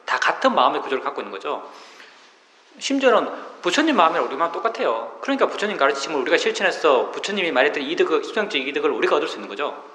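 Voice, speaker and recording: A man's voice: fairly high pitch, very animated, racing, sharp tone. A middle-aged man, a Buddhist monk giving a dharma talk to meditators, explaining patiently and asking rhetorical questions. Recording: roomy hall reverb.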